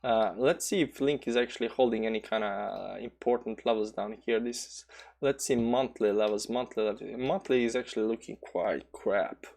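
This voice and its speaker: The man's voice is on the low side, gravelly and a little mellow, delivered at a moderate pace. Streaming crypto charts with a Balkan accent, he offers casual live commentary that rambles with fillers and restarts, answering chat messages he reads aloud.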